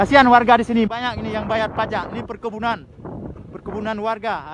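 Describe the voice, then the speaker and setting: A man with an Aceh accent talks at a very fast pace with an extremely high pitch over noticeable background noise. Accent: Acehnese-accented Indonesian. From Aceh, Sumatra, Indonesia. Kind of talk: casual vlog talk to camera. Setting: outdoors.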